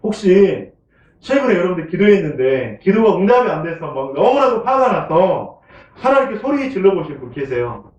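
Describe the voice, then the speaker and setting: Pastor preaching in an echoey church. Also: male voice, high voice, sing-song, moderate pace. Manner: conversational, keeps asking the congregation questions; chuckles often. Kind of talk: sermon. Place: church sanctuary. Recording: echoey room, from a distant mic, dull sound.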